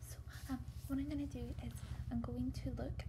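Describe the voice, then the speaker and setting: A woman speaks over noticeable background noise. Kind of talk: soft-spoken role-play exam talk. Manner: soft, hushed ASMR doctor voice. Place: home room. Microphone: webcam.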